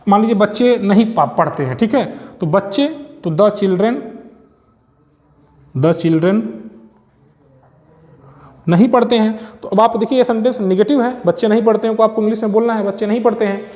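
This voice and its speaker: A male teacher giving an exam-prep grammar lesson, explaining step by step and checking that students follow, slowing down to spell out example sentences word by word. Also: high-pitched, darkish tone, in a large hall.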